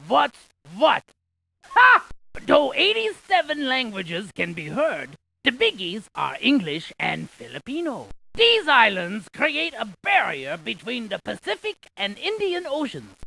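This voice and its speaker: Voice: high voice, vocal fry, bright, forceful tone, no room sound, heavily acted. An actor voicing a quirky, wisecracking scientist for a video game, with a jokey, theatrical delivery of trivia. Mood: excited, punning. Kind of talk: cartoonish educational game voice acting.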